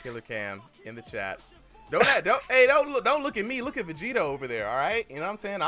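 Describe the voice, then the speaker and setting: Over music in the background, the speech moves at a very fast pace with big swings in loudness. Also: man. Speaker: streamer hosting a fighting game tournament. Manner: casual, hype.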